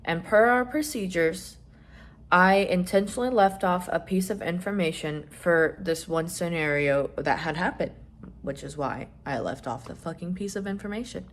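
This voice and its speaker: A young trans man chatting casually in a vlog, rambling with lots of fillers and some swearing, his voice rising when he gets excited. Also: normal speed, a little hiss or hum. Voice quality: voice still fairly high, rising when excited. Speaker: vlogger.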